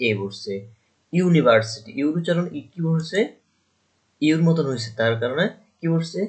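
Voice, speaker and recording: A man's voice: a little high, animated, normal speed. A man from Bangladesh, teaching a grammar lesson to students. He keeps asking questions and answering them himself, and he repeats the key points.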